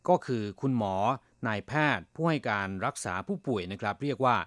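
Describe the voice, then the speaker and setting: Male radio host teaching vocabulary, animated pitch, dry studio sound, patient explainer. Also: brisk, no room sound. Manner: patient, explains each word and repeats it. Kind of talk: radio language lesson.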